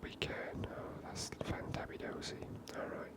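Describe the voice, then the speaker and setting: A soft, close whisper from an ASMR gaming host, musing over the game with drawn-out hesitations. The delivery is gentle and unhurried, close to the mic.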